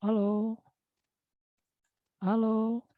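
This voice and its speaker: Over a dull, lo-fi video call, a male lecturer whose Indonesian carries a Sundanese accent coaxes his online students, repeatedly calling out to them. He speaks very slowly in a high voice with a completely flat delivery, and there's no room sound.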